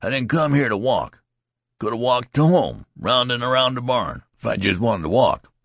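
A man reading aloud voices a loud young soldier who grumbles in brash, folksy speech. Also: lowish voice, big pitch swings, moderate pace, dry recording, clean studio sound, pitched above the performer's own voice. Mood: insistent. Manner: loud, aggrieved, folksy talk.

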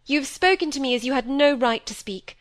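A woman's voice: on the high side, expressive, moderate pace, fairly bright tone, voice pushed up. A woman voicing a proud, wounded young woman who speaks in a cold, clipped, resolute way.

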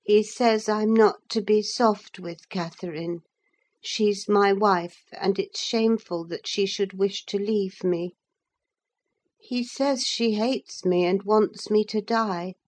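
A woman's voice: mid-range voice, slow pace, a little mellow, voice pushed up. A woman voicing a sulky, spoiled and sickly teenage boy. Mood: petulant. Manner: whiny, spoiled.

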